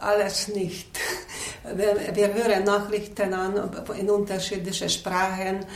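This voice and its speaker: A woman speaks at a very slow pace in a flat monotone, with noticeable background noise and audible room echo. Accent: Hungarian. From Hungary. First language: Hungarian (speaking German). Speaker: artist and art teacher. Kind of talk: radio panel discussion.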